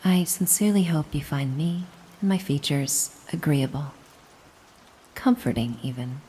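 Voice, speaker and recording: A mysterious, doting caretaker acted by a woman speaks in a low, hushed-lullaby register for a hypnosis audio drama. She takes her time, gently coaxing and reassuring in an ASMR-like way. A faint wash of rain sits behind the voice. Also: animated, unhurried, a little hiss or hum, low-quality recording. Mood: hypnotic, tender. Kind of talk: slow soothing hypnosis roleplay, ASMR-like.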